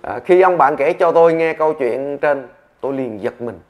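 A man telling a story in a steady, measured narrating voice. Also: on the high side. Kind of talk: scripted storytelling.

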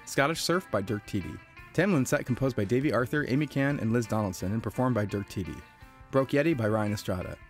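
A man reading the end credits of an audio drama podcast in a brisk, even way. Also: mid-range voice, faint music behind. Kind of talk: read credits.

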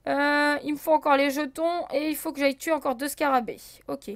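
A woman's voice: high voice, steady tone, fairly quick, no room sound, studio quality. A woman casually commenting on her gameplay as a let's play host, thinking aloud with many fillers and talking to her viewers. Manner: counts and checks items out loud.

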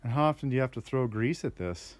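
A man's voice: medium pitch, lively intonation, fast. A man touring an outdoor sawmill, asking curious, easily impressed questions into a handheld phone camera. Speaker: video host touring a sawmill. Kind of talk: casual on-site questions.

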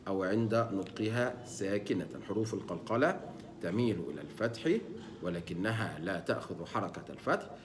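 A man giving a Quran recitation lesson, explaining letter sounds and demonstrating them slowly and repeatedly, asking himself questions as he goes. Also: low-pitched, noisy background.

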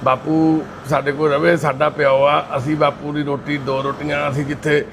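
Man, charity volunteer, gravelly and fairly high voice, consoling but firm, loud noise around. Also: flat delivery, normal speed.

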